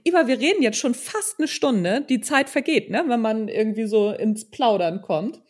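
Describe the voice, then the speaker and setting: A woman's voice: a little high, animated, moderate pace, a little mellow. A woman hosting a casual interview, chatty and affirming, often ending phrases with a tag question. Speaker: podcast host, interviewer.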